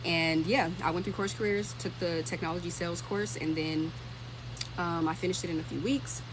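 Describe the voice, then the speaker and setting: Speaking at a moderate pace in a lowish, steady voice, a thirty-year-old livestream host and tech career content creator works through viewer comments. She's informal and thinks out loud, and the background is noisy.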